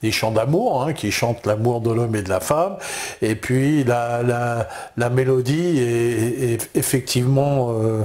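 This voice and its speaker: A man's very slow speech at medium pitch with ordinary pitch variation, over noticeable background noise. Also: very even loudness. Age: 60s. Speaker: history lecturer. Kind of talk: studio interview explaining history. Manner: halting, many fillers and repetitions.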